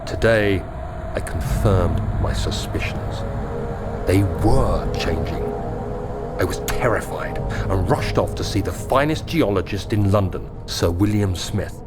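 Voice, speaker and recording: A man playing an earnest, troubled young gentleman explorer in a video game, speaking in a formal, introspective way. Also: deep voice, measured pace, over loud music. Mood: troubled, uneasy. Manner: formal, literary, introspective delivery. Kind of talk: dramatic video game voice acting, journal narration.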